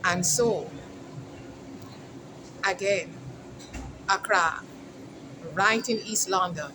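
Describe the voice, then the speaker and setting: A woman's voice: mid-range voice, very slow, background noise. A woman hosting a casual outdoor interview vlog, chatty and calling her viewers "guys". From Jamaica. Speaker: host. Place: outdoors at a mall food court.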